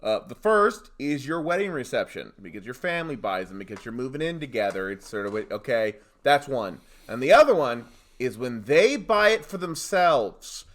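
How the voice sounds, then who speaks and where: A man's voice: medium pitch, big pitch swings, moderate pace, fairly bright tone. A man co-hosting a comedy advice podcast, ranting emphatically in short, mock-indignant declarations. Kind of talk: comic advice banter, storytelling rants.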